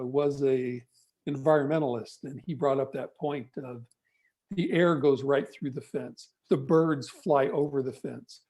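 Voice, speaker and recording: A man giving a measured, storytelling talk over a video call. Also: on the high side, vocal fry, mellow. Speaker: guest speaker. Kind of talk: reflective talk on an online event.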